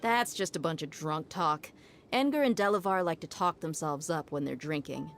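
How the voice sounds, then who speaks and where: A woman's voice: low voice, moderate pace, a bit bright. A woman playing a shrewd, cool-headed young desert mercenary in a video game, speaking in a self-assured, matter-of-fact way. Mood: wry, explaining. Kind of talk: dramatic video game voice acting. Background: music.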